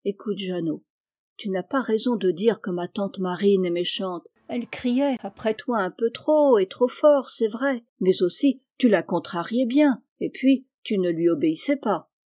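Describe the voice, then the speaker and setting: A good-hearted young boy who coaxes and reasons with his cousin in earnest tones, read by a woman in an audiobook. The voice sits mid-range and sounds warm and mellow, never harsh. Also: mid-range voice, a little slow, lightly acted. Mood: gently reproving. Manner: coaxing, earnest pleading. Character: kind earnest young boy, patient and cheerful. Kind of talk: audiobook reading.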